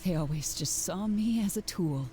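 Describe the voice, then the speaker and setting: A woman's voice: lowish voice, animated, normal speed, mellow, a little hiss or hum, natural voice. An actress voicing a cornered, theatrical young woman villain in a video game, bitter and cackling.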